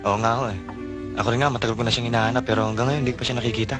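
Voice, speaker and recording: A man's voice: mid-range voice, steady tone, racing, close to an everyday voice. An actor playing a tough, world-weary younger man in a 1980s Filipino action film, with a Filipino accent. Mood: respectful. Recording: old film soundtrack with loud music.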